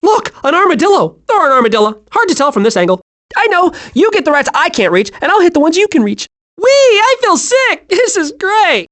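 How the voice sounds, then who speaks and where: A hyperactive little cartoon squirrel, pitched very high. The delivery swoops up and down with naive, childlike glee, made for an animated video game. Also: a little fast, heavily acted. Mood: cheerful, curious. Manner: excitable, childlike, gleeful exclamations.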